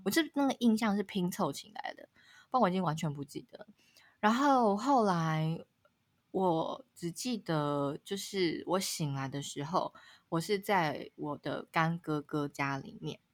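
Telling a story in a relaxed podcast chat, this female co-host is expressive and keeps a measured pace. Frequent laughter punctuates her account, and her pitch leaps at dramatic points.

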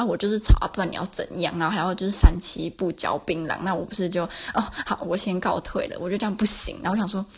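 A woman's voice: medium pitch, breathy edge. A woman, hosting a casual solo podcast and telling self-mocking stories with plenty of laughs. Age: 20s. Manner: chatty, self-mocking anecdotes with frequent laughs. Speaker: podcast host.

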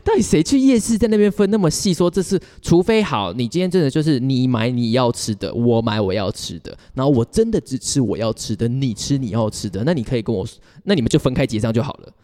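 A man speaks Mandarin with a Taiwanese accent in a very lively, swinging intonation. He tells stories casually, giggly and rambling, like a podcast co-host. His voice rings with a long reverb. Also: medium pitch, fast talker, hardly any pauses. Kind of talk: casual chat, personal storytelling. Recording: reverberant, hall-like sound.

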